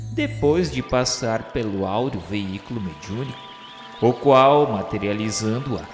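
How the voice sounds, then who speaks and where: A man with a Brazilian accent gives a solemn, formal, scripted literary narration in the style of a radio novela. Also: mid-range voice. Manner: solemn, formal, measured delivery. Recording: echoey hall-like reverb, music behind. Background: music.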